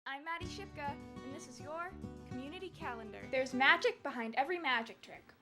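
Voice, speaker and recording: A woman's voice: sits high, a little fast. A woman reading scripted community calendar announcements. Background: music.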